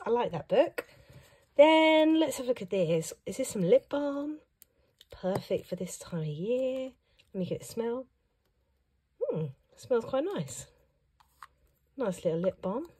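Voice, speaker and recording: A woman who teaches young children, chatting upbeat through an unboxing vlog while hoarse and losing her voice. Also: fairly high pitch, mellow. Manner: chatty and upbeat, reacting to each item. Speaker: primary school teacher and vlogger. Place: at home.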